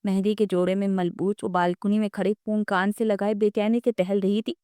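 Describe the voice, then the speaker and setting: A woman narrating an Urdu romance novel in a steady storytelling delivery. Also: mid-range voice, smooth, dry recording, clean studio sound.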